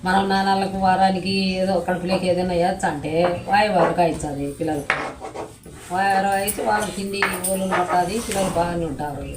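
Middle-aged woman from India, fast earnest speaker, recorded off-mic in an echoing kitchen with loud pots and pans. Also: fairly low pitch, fairly even intonation, recorded from a distance, noisy background. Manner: earnest, lecturing about home remedies. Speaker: vlogger's mother.

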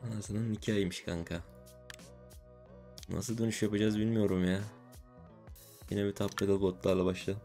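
A young man giving casual gaming commentary, excitable and given to swearing, shouting when he wins. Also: on the low side, normal speed, long pauses, faint music behind. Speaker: gaming streamer.

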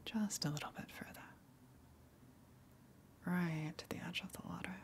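A woman voicing a luring tentacled sea monster in an ASMR roleplay, coaxing softly in a breathy, hushed whisper with long pauses. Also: lowish voice, close to an everyday voice. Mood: tender, admiring.

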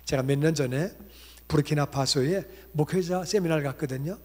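A man's voice: on the high side, fairly quick, a little mellow. A middle-aged male pastor delivers a revival sermon in a somewhat raised voice. He tells stories with animation and acts out the dialogue himself. The sound carries a long reverb from the church hall. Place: church sanctuary.

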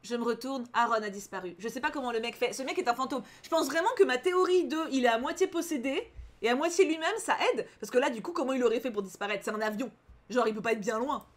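A young woman reading a visual novel aloud as a let's player, animated and often exclaiming in outrage. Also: a little high, fast.

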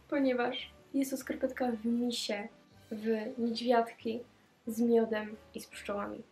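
A woman's voice: a little high, darkish tone. A teenage girl chatting cheerfully as she unboxes gifts in a casual vlog, with many small hesitation sounds, recorded in her bedroom on a camera mic. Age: teens. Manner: chatty and cheerful, with frequent "e" fillers. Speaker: vlogger.

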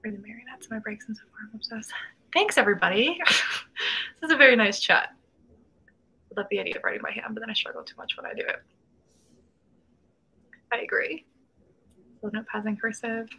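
Brief: woman, mid-twenties, livestream host, bright chatty voice, webcam sound from a small room. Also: on the high side, a little fast, long pauses, breathy edge, poor audio. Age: 20s. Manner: chatty, reads chat comments aloud, laughs often. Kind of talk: casual livestream chat. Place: small room at home, indoors. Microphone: webcam video call.

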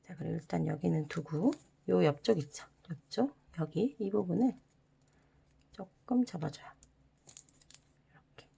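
A young woman hosting an origami tutorial for children, giving soft, half-whispered step-by-step instructions with playful sound words. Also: lowish voice, a little slow, creaky, pauses often, breathy edge, highs cut off. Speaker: origami channel host.

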